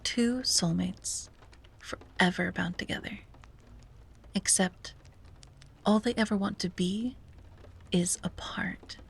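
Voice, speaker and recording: A woman playing a wistful, self-doubting young sea-witch in an ASMR roleplay, speaking softly and breathily with hesitant musing and frequent drops to a whisper. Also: medium pitch, slow, pauses often, heavily acted. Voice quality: breathy, often dropping to a whisper. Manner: hesitant, musing, sighing, gently playful. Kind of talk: ASMR roleplay, soft intimate monologue.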